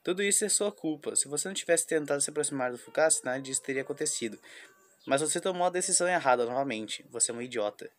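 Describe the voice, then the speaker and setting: A man's voice: on the high side, animated, fast, close to an everyday voice. A man reading a visual novel aloud, voicing cruel girls who taunt and accuse in a nightmare. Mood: accusing. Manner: scornful, accusing.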